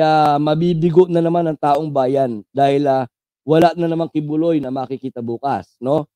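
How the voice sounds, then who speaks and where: A Filipino man with a slightly high, warm voice gives casual live political commentary, treating viewers like friends with constant tag questions. He slips English phrases into his speech with a mocking, sarcastic edge, and the recording has no echo.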